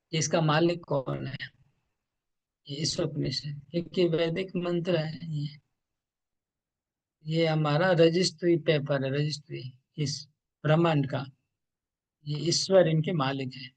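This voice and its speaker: A man teaching a scripture class online, explaining slowly and emphatically, repeating points. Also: fairly high pitch, fairly even intonation. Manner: slow, emphatic, repetitive explaining.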